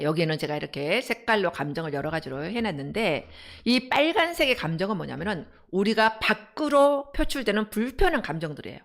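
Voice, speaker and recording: A middle-aged woman, a counseling center director, giving an animated parenting lecture and asking her audience rhetorical questions. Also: lowish voice, vocal fry. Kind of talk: parenting lecture on a live broadcast.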